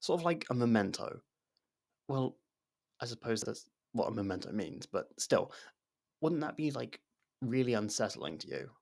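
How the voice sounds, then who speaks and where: A man's voice: medium pitch, very animated, normal speed, gravelly, long pauses, a little mellow. A man acting a nervous, awkward, secretly obsessive young lover in an intimate ASMR roleplay, stammering and backtracking as he talks. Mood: nervous, probing. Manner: stammering, hesitant, self-conscious, backtracking. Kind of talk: ASMR roleplay, intimate one-sided dialogue.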